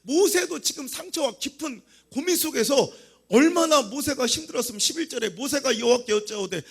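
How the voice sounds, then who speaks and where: A middle-aged male pastor preaching a sermon dramatically, acting out complaints in voices and rising to shouts. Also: very high-pitched, lively intonation, a little fast, creaky, slightly rough.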